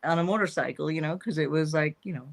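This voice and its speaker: Talkative female guest, loose and rambling, voice with a gravelly fry. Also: low-pitched, quick pace. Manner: chatty, rambling, laughs often, trails off. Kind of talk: casual interview.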